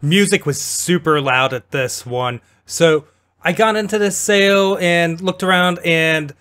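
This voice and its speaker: A young man with a Midwestern American accent, casually vlogging at garage sales and thinking out loud about prices, recorded outdoors on an action camera. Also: a little high, measured pace, clear, resonant tone. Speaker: reseller vlogger. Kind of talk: casual vlog commentary.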